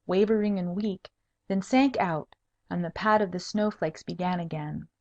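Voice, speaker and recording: A woman narrates a humorous tale as a scripted audiobook. Her voice sits at an average pitch, and the recording is a little dull and lo-fi. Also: a little mellow.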